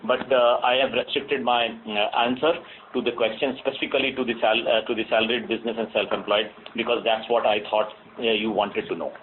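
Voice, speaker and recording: A man with an Indian accent answering as a company executive on a conference call, haltingly, searching for words and repeating himself. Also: medium pitch, level tone. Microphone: phone line. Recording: noisy, phone-like conference call line.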